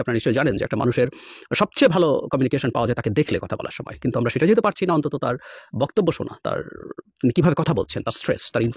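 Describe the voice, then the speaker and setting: A man gives political commentary in an animated, scornful way, dropping in English phrases. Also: mid-range voice, breathy edge, no room sound, studio quality. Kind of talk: spoken commentary.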